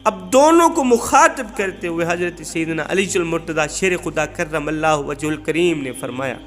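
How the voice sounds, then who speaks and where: Man, preacher, high voice, emphatic religious storytelling, repeats phrases in a chant, faint music underneath. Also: lively intonation, a bit bright.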